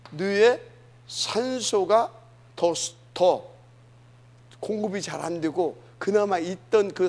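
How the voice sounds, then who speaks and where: A man preaching a sermon, often asking the congregation questions and swinging between loud emphasis and soft asides. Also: sits high. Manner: asks the congregation questions, many fillers, dynamic swings. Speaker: pastor.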